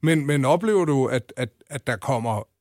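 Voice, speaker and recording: A man's voice: medium pitch, animated, a little mellow, no room sound, studio quality. Hesitant male interviewer. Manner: hesitant, repeating words at starts. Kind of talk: asking interview questions.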